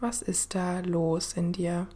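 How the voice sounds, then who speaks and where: A woman host guiding a meditation in the soothing manner of a sleep story narrator, gentle and unhurried, with a soft, breathy voice that often drops to a near-whisper. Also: on the low side, level tone. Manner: gentle, unhurried, with long pauses. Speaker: podcast host and meditation guide.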